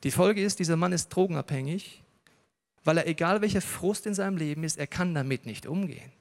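A male preacher with a notably high voice delivers a sermon full of personal stories. He jokes with the audience and talks to them directly. The sound carries a long reverb from a large hall. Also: brisk. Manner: lively storytelling, jokes with the audience.

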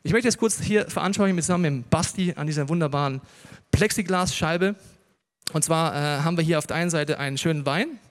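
A man's voice: a little high, fast. A man preaching a sermon to a live audience, telling stories and joking with the listeners. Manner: lively storytelling, jokes with the audience. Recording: long reverb of a large hall.

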